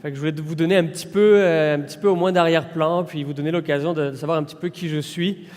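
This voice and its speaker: A man's voice: on the high side, fairly even intonation, a little mellow. French-accented man in a reverberant church. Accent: French from France. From France. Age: 30s. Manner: conversational and unhurried, with frequent pauses. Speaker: pastor. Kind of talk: informal sermon introduction. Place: church hall. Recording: long reverb of a church hall.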